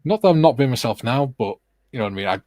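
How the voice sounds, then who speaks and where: A man in his forties, co-hosting a casual live stream, earnest and fairly monotone. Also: mid-range voice, fast talker, slight background noise. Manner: self-described monotone, earnest. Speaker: co-host.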